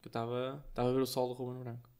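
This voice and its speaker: A man with a European Portuguese accent, a stand-up comedian in casual banter, slangy and excitable with many interjections. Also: mid-range voice, racing.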